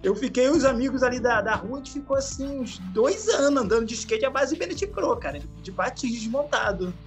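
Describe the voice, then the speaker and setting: A man's voice: extremely high pitch, soft background music. Laid-back Rio man in his forties. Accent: Rio de Janeiro Brazilian Portuguese. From Araruama, Rio de Janeiro state, Brazil. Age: 40s. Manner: relaxed, laughs often, drawn-out slang-filled storytelling. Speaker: podcast guest, skateboarder. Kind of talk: casual storytelling interview.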